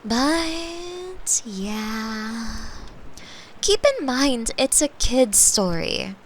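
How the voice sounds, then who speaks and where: Woman voicing a tender girlfriend, very slow pace, soft and breathy, intimate sleep-aid roleplay, faint noise behind. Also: on the high side, lively intonation. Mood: gently teasing. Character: caring, playful girlfriend soothing her partner to sleep. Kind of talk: intimate bedtime roleplay ASMR.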